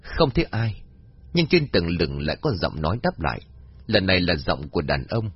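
A man's voice: normal speed, slightly rough. A man narrating a horror story, reading expressively. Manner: expressive reading with a wide pitch swing. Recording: slightly dull, dry recording with faint music.

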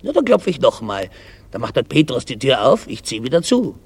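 Joke figure: a crafty man spinning his plan, animated, put on by a male comedian. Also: mid-range voice, fairly quick, husky, in a large hall, exaggerated voice. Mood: scheming. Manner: building, repetitive storytelling. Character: sly old man with a trick to enter heaven.

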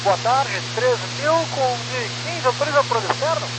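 A man's voice: very high-pitched, animated, moderate pace. A man with a Brazilian Portuguese accent, an airline pilot heard over an aviation radio, reading back instructions in clipped, formulaic phrases. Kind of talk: air traffic radio exchange. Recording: hissy radio transmission with mains hum.

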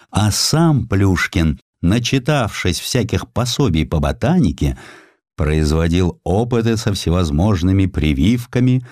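A male audiobook narrator with a low voice tells a historical sketch. His delivery is dramatic and very lively in pitch, with a touch of folksy irony. The sound is close and dry. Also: no echo. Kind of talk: expressive scripted storytelling of historical sketches. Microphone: close studio microphone.

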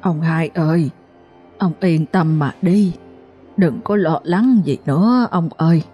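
Woman doing a sad old widow, slow and soft, low voice. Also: breathy edge, soft background music, full character voice. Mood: tender. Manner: slow, soothing. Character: grieving elderly widow, tender and gentle.

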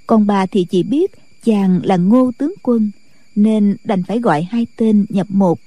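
A woman narrating a martial-arts novel as an audiobook in a steady, measured way. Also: mid-range voice, dry recording.

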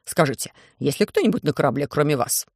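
Reader plays an anxious middle-aged professor, earnest and low-key. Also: animated, fast, darkish tone, slightly rough, dry recording, clean studio sound. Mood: worried.

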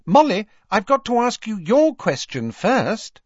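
A man voicing a tired, gentle middle-aged wizard husband who speaks calmly and insists on procedure. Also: high voice, unhurried, no echo, voice pushed up, heavily acted. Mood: weary. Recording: dull, dry lo-fi recording.

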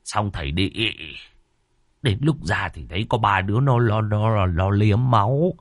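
A man's voice: fairly low pitch, animated, unhurried, dry recording, clean studio sound. A man doing a stammering, terrified village healer. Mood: stammering fright. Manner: stammering, panicky. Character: frightened stammering middle-aged male village healer.

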